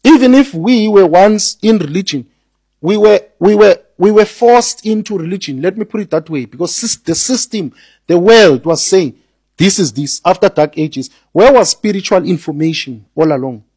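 High, husky man teaching. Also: animated, normal speed, darkish tone, dry recording. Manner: repeats words while building points, mixes in Zulu. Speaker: radio guest teaching spirituality. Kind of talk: earnest teaching talk on radio.

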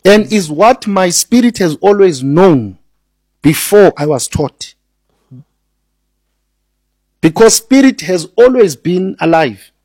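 A man with a high, husky voice teaches earnestly as a studio guest on the radio. He repeats words as he builds each point and mixes in Zulu phrases, and the sound is close and dry. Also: expressive, slow, long pauses, darkish tone, dry recording.

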